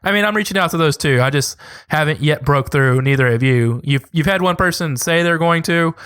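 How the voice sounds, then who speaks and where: A man co-hosting a podcast, talking in a loose, rambling, friendly way. His voice is smooth and even, with a close, dry sound and no room echo. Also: a little high, a little fast. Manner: rambling, friendly, plugs social handles. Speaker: podcast co-host. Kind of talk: casual podcast sign-off chat.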